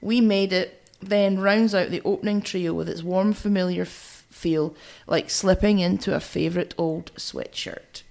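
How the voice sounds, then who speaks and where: A woman's voice: fairly low pitch, steady tone, measured pace, creaky, few pauses, a little mellow. A woman co-hosting a music podcast, chatting and reviewing in a blunt, teasing way with some swearing. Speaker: podcast co-host.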